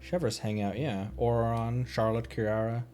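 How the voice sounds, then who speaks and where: A man's voice: medium pitch, little pitch movement, moderate pace. A man streaming a video game, chatting casually and rambling as he thinks aloud. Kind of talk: casual livestream gameplay chat. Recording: game music behind the voice. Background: soft game music.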